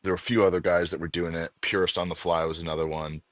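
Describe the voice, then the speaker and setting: A man's voice: sits low, little pitch movement, quick pace, no room sound. A man with a stuffy, nasal voice from a cold, chatting casually as a podcast guest in a rambling, self-deprecating way. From Northeast United States. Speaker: podcast guest, meme page creator.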